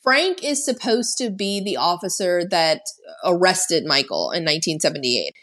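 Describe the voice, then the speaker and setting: Pitched fairly low but swinging widely, this woman's fairly bright voice moves at a moderate pace. As a podcast co-host, she recaps a horror film in a casual, sarcastic, chatty way, using "like" a lot.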